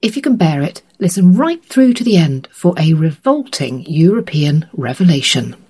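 A British woman hosting a podcast with a scripted introduction, her voice low, husky and gravelly from a cold. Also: big pitch swings, normal speed, warm tone. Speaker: podcast host.

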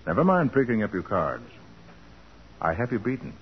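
An actor playing a confident, shrewd private detective, assured and persuasive, in a 1940s radio crime drama. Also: male voice, fairly low pitch, huge pitch swings, moderate pace, a little hiss or hum. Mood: cool, assured. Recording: dull 1940s radio recording.

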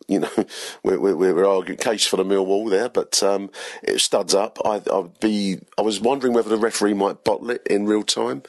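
A hoarse man, hosting a football podcast in a chatty, rambling, self-deprecating solo match review. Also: on the low side, no room sound.

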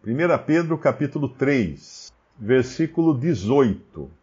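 A Brazilian Portuguese-accented man explains Scripture in a lively, swinging voice. He fires off rhetorical questions and keeps restarting his sentences. His tone is mellow, and the recording sounds a bit dull and lo-fi. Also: mid-range voice, unhurried. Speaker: Bible commentator. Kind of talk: Bible study commentary.

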